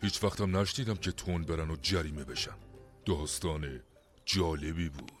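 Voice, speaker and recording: A man's voice: rumbling low, soft background music. An actor playing a skeptical, easygoing grown man in a cartoon dub, drawling with doubt. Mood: doubtful.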